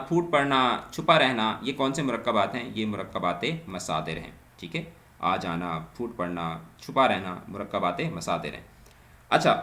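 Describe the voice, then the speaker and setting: A man's voice: fairly low pitch, fairly bright tone. A man teaching an exam-prep grammar lesson, posing each question and then answering it himself, checking in with the class and mixing in English terms. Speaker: Urdu teacher. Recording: echoey room.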